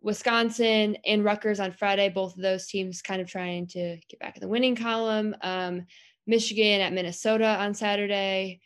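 A woman's voice: medium pitch, fairly even intonation, moderate pace, clear, resonant tone. A woman in her twenties co-hosting a basketball podcast, easygoing, laughing often and using many "um"s. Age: 20s. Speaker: co-host of a college basketball podcast. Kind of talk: casual sports podcast chat.

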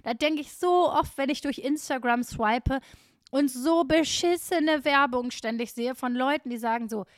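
A woman co-hosting a casual chat podcast, outspoken and animated, laughing often. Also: high-pitched, unhurried, dry recording, clean studio sound. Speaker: podcast co-host.

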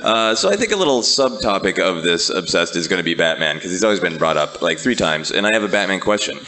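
A man's voice: low-pitched, big pitch swings, fast, bright, forceful tone, a little hiss or hum. A man hosting a podcast, cheerfully asking his guests questions. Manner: upbeat, prompting questions. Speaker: podcast host. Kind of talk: casual podcast interview.

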